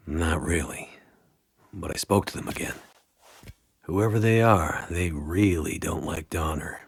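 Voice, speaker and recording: Tired sardonic captive pilot from a video game, deep n super husky. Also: male voice, steady tone, unhurried, no echo, full character voice. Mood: wry, guarded. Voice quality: gravelly, husky. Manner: dry, sardonic. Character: weary captive bush pilot, wry and reluctant. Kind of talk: video game cutscene acting.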